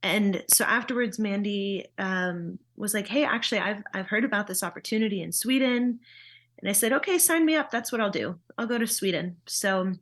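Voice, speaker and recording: A woman in her early thirties, a missionary guest in an interview, recounting events in a steady, matter-of-fact way. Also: medium pitch, normal speed. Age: 30s. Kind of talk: conversational interview.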